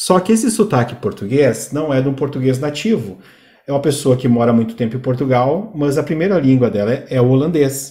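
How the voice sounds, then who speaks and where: Somewhat breathy and fairly high-pitched, a man talks at a fairly quick pace with a dark, mellow tone and lively intonation. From Brazil. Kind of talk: casual talk to camera.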